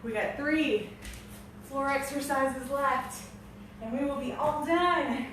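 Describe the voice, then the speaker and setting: A high-voiced woman leads exercise like an aerobics instructor, cueing form in an encouraging, peppy way at an unhurried pace. She breathes with effort as she coaches. The sound is very echoey, as in a bare room. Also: fairly bright tone. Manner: encouraging, exclaiming, peppy workout cheerleading. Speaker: aerobics and strength instructor leading a home workout. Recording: echoey room, distant mic, noisy.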